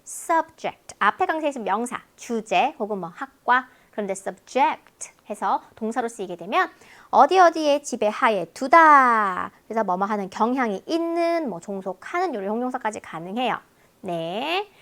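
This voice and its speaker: A woman teaching English listening in a lecture, explaining word pairs in a lively, talkative way. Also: a little high, moderate pace.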